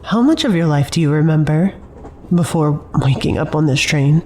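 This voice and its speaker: A woman's voice: low-pitched, expressive, normal speed, a little mellow, slight background noise. An actress playing a wary, sarcastic woman survivor in an audio drama, with a dry, impatient manner.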